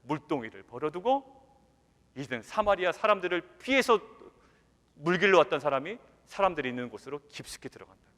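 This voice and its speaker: A man preaches in a fairly high voice, pressing his points with rhetorical questions and then dropping almost to a whisper. It is a weekday sermon to his congregation. The sound carries a long reverb, as in a church hall. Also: a little fast. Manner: animated preaching, swings from loud emphasis to near-whisper, many rhetorical questions. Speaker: pastor.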